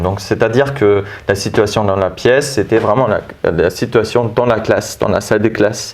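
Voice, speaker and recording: There is noticeable background noise as a man speaks with a German accent. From northern Germany, North Sea coast. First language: German (speaking French). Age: 30s. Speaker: actor and drama teacher. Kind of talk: interview. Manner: halting, many hesitations.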